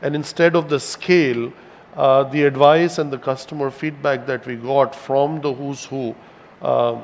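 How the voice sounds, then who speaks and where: A man delivers a corporate presentation to investors in a big, echoing hall. His pitch sits in the middle range, and he speaks in measured, halting phrases, stretching words for emphasis. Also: fairly even intonation. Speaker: company executive presenting to investors. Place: hotel event hall with audience present. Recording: reverberant hall sound.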